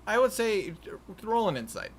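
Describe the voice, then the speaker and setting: A man improvising narration as game master of a tabletop game, haltingly repeating and restarting his phrases. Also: high-pitched, big pitch swings. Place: online voice call. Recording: noisy home voice-chat recording.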